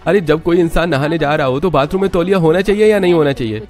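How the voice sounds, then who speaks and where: A man voicing a short-tempered young husband in a cartoon, barking and scolding in a raised, high voice. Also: quick pace, a little mellow, soft background music, lightly acted. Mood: angry, shouting.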